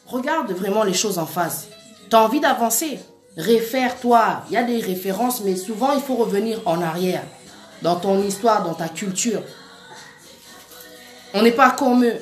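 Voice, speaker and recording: A woman's voice: medium pitch, moderate pace. A woman giving an earnest, urgent preaching-style talk, speaking straight to her listeners as sisters and brothers. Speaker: Christian speaker. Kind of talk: exhortative preaching-style monologue. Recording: echoey room with faint music. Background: faint background music.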